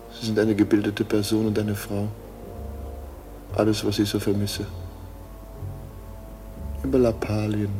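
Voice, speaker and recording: A man's voice: lowish voice, lightly acted. An actor playing the ghost of a murdered man in a radio drama, suave and politely formal, mocking and insistent with macabre understatement. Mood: politely chatty. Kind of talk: German radio drama acting.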